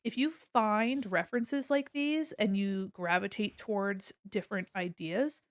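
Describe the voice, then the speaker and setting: On a home stream, a streamer giving art critique walks through logo design references in a casual tutorial, explaining while she draws. She's chatty and loose with many ums and restarts, a bit sniffly, speaking unhurriedly. Her mid-range voice is close and dry, with no room around it.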